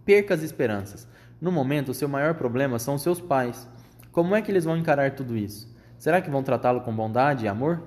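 A man reading aloud and voicing a calm, clever boy who has been turned into a mouse, speaking persuasively. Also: mid-range voice, fast, close to an everyday voice. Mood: urging.

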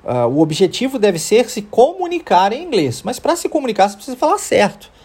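A man's voice: high voice, big pitch swings, brisk, darkish tone, husky. A man with a Brazilian Portuguese accent, an English teacher explaining pronunciation in a podcast lesson and often checking in with his listeners.

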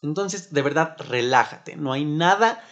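A man with a Mexican Spanish accent giving a motivational self-help talk, lively and acting out little stressed outbursts. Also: on the high side, measured pace, lo-fi sound.

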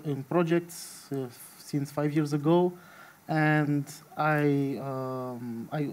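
Male panel guest, Romanian accent, soft mellow tone, fairly high pitch, hesitant phrasing. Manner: halting, broken phrasing. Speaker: panel guest, association president. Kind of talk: unscripted self-introduction at a panel.

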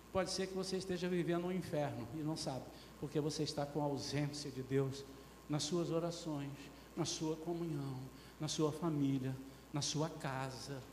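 Man, preacher, impassioned sermon, high voice, faint background noise. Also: expressive, a little slow. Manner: impassioned, rhetorical questions, swinging between loud and soft. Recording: echoey church hall with faint noise.

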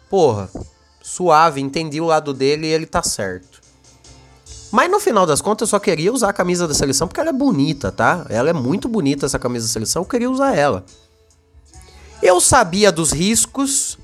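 A man's voice: fairly high pitch, a bit bright. A young Brazilian man hosting a casual solo podcast, talking in a heated, slangy way and repeating himself as he gets worked up. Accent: Brazilian Portuguese. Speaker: podcast host.

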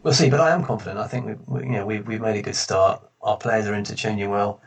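A man, a fan blogger, chatting casually about football in a relaxed, rambling way, with a loud echo on his voice as if he were in a big hall. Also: fairly low pitch, fast talker, creaky, slightly rough. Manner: relaxed, rambling, many restarts. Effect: echoey sound like a big hall. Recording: echoey room, far from the mic.

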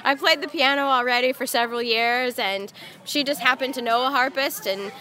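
A woman harpist from Ohio telling her story in a casual interview, friendly and quick to laugh. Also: high voice, sharp tone, poor audio. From Ohio, USA. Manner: friendly, laughs easily, answers at length. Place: outdoor festival with crowd.

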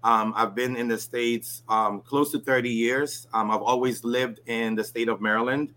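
Bright-voiced man in his forties, from Ghana. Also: mid-range voice, steady tone, moderate pace. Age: 40s. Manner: chatty, frequent "you know" and "right?". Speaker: interview guest. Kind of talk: casual storytelling interview.

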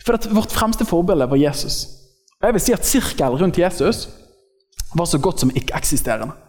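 A man preaching an informal sermon in a church hall, joking and slangy, acting out quotes from other people. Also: a little high. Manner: lively, joking, acts out quotes in slangy speech. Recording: long hall reverb.

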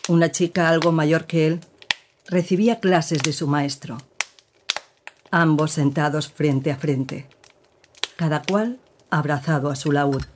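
An actress playing a woman who gravely recounts her partner's past in an audio drama, with measured, serious storytelling. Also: low-pitched, steady tone, a little mellow, slight background noise.

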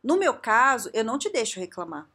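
A woman coach giving a podcast talk, speaking straight to the listener with quick rhetorical questions. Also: a little high, sing-song, bright, forceful tone, slightly rough. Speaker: coach working with strategy. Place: São Paulo.

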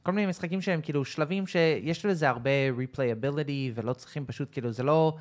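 A man's voice: a little high, darkish tone. A man in his thirties with an American accent, a podcast guest chatting casually in a rambling way full of fillers. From United States. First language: English. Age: 30s. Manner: laid-back, rambling with many fillers. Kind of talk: casual chat.

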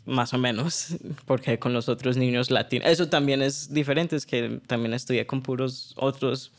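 A man, talking as a podcast guest and pausing often with fillers and restarts. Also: mid-range voice, steady tone. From New York, United States. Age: 20s. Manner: hesitant, many fillers and restarts. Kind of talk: casual conversational interview.

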